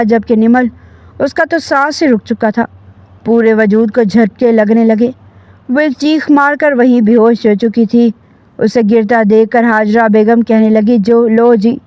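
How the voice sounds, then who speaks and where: A woman narrates a novel in an even, dramatic storytelling manner. The recording is dry and close. It sounds slightly dull. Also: fairly high pitch, dry recording.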